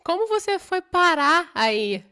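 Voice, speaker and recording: A woman's voice: very high voice, very animated, slow pace, bright, forceful tone. A Brazilian woman hosting a podcast interview in an upbeat, joking way. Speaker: podcast host.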